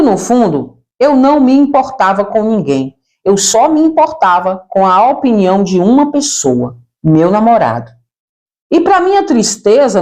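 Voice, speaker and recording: A woman's voice: a little high, darkish tone. A woman with a Brazilian accent narrating a church testimony expressively, addressing listeners as brethren. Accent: Brazilian Portuguese.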